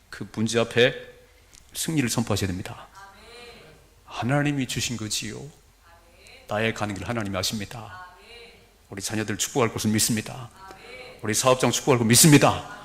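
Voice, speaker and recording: A middle-aged man, a pastor preaching a sermon, talking straight to his congregation with rhetorical questions and acting out the voices of scripture. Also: mid-range voice. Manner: animated preaching, acts out God's and Job's words.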